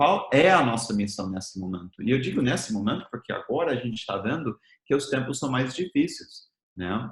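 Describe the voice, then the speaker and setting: At a moderate pace, a man with an American accent speaks in a somewhat breathy, medium-pitched voice with lively intonation. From USA. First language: English (speaking Portuguese). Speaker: missionary. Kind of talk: sermon. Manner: casual, conversational.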